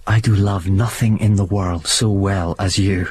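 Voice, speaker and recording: An actor playing a witty young nobleman, earnest and courtly, speaking Shakespearean lines in a husky voice. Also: sits low, steady tone, a little slow, a little mellow. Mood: tender. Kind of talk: Shakespearean verse acting.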